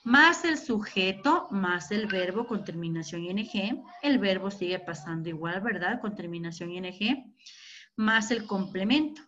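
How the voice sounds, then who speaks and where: A woman's voice: mid-range voice, expressive, a bit bright, highs cut off. A woman teacher explaining English grammar in a patient lesson, regularly checking in with her students. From Ecuador. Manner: explains slowly, keeps asking ¿verdad? and ¿ya?.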